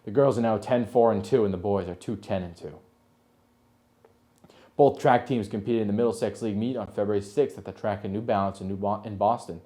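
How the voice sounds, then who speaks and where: A man's voice: lowish voice, brisk, mellow. A man reading a local TV sports report, going steadily through scores and results.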